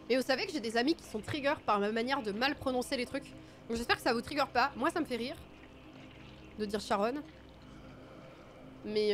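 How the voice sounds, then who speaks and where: A woman streaming a video game with casual, self-mocking commentary, her nose stuffy from a cold. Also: on the high side. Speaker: gaming streamer.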